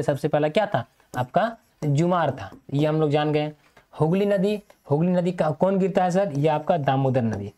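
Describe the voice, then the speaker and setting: A man's voice: a little high, darkish tone. A male teacher giving an exam-prep lecture, asking and answering his own questions and repeating key points so students remember them.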